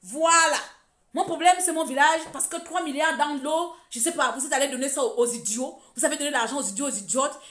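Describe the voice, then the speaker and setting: A woman's voice: high voice, a little fast, few pauses, a bit bright. A woman from Gabon, an activist ranting sarcastically and scolding on a live stream. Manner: mocking, scolding, repetitive. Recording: echoey room.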